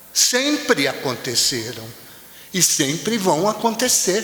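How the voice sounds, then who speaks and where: Very slowly, a man speaks with very wide pitch swings. Audible room echo and noticeable background noise surround him. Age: 60s. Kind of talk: homily. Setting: church. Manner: conversational, with frequent fillers.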